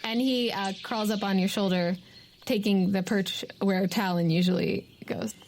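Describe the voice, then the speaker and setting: A woman's voice: mid-range voice, steady tone, unhurried, darkish tone, slight background noise. A woman running a tabletop roleplaying game, narrating scenes off the cuff as game master.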